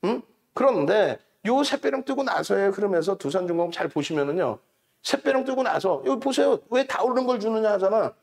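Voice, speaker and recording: A man's voice: high voice, very animated, fairly quick, vocal fry. A middle-aged man hosting a stock market show, lecturing on charts and stock prices in an emphatic way, repeating key numbers and mocking rivals.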